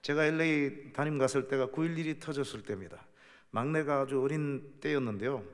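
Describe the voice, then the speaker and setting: A man's voice: medium pitch, a little fast. A middle-aged man preaching a sermon, often asking the congregation questions. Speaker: guest preacher, professor. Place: church sanctuary. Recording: long church reverb.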